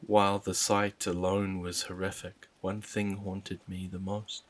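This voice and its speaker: A man narrating a first-person horror story in a low, even, unhurried manner.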